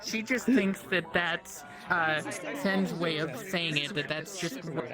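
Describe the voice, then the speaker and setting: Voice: medium pitch, slow pace, a loud crowd. Matter-of-fact player over music. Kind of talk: casual chat.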